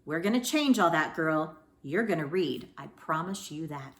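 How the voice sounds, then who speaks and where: Woman voicing a kind storybook schoolteacher, expressive and encouraging. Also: sits low, normal speed. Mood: tender encouragement. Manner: gentle, reassuring.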